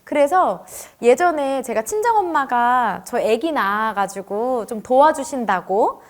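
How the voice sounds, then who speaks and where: A woman lecturer giving a lively talk on couples' communication, acting out family conversations in quoted voices. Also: a little high, unhurried.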